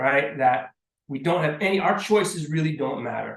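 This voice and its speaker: Speaking at a moderate pace, a man has an ordinary speaking voice with a fairly high pitch. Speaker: health speaker, clinician. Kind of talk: lecture.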